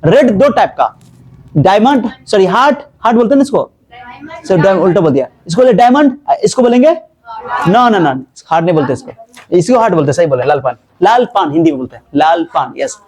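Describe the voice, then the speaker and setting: A man's voice: high voice, big pitch swings, fairly quick, a little mellow. A man teaching a maths class, repeating himself and quizzing his students as he explains. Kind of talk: classroom lesson.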